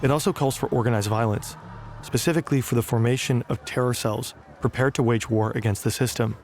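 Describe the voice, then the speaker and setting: A man giving measured, scripted documentary narration. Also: mid-range voice, steady tone, a little mellow, slight background noise.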